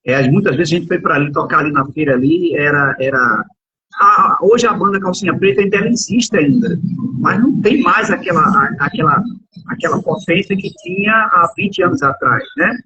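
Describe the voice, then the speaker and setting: A man, middle-aged, hosting an informal live interview in a halting way, repeating words as he goes. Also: a little high, animated, bright, forceful tone, husky. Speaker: podcast and radio host. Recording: dull lo-fi internet call audio.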